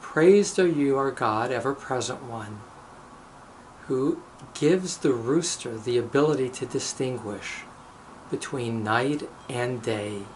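A man speaking as a rabbi leading a guided meditation, measured and deliberate, pausing between short phrases and reciting blessings. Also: medium pitch, slight background noise, low-quality recording.

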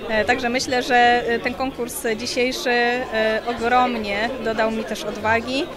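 A woman's voice: a little high, level tone, unhurried. A woman in her thirties, a contest winner, giving a hesitant, emotional news interview into a handheld mic with many fillers. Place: banquet hall, press wall. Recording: hall crowd and music behind.

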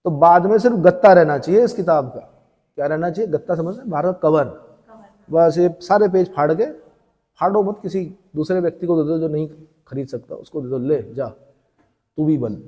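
A male teacher with a northern Indian Hindi accent lectures a class, drilling each point by firing it back as a question. His voice sits fairly high yet mellow in tone. The recording carries a long hall reverb. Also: brisk. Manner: folksy storytelling asides.

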